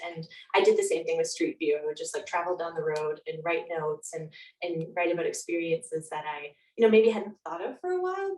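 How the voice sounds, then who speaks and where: A woman's voice: on the low side, darkish tone. A woman guest chatting casually and reflectively in an interview, telling stories in an informal way. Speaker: guest author. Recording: roomy echo, distant from mic.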